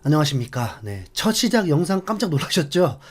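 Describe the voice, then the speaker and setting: A man's voice: fairly high pitch, brisk. A man hosting a football channel, narrating a scripted match commentary with many fillers. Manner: animated, filler-heavy explanatory talk. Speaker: sports channel host.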